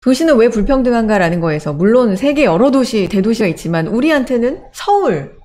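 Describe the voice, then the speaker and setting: 억양이 풍부한 여성 MC. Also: female voice, fairly high pitch, fairly quick. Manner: lively, asks questions, frequent backchannel. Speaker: show MC. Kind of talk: talk show co-host banter.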